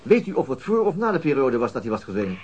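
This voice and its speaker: An actor in a radio drama playing a patient, authoritative police detective who questions tersely and courteously. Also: male voice, mid-range voice, big pitch swings, fast, dull audio, slight background noise, lightly acted. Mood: courteous, probing. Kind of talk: Dutch radio drama acting.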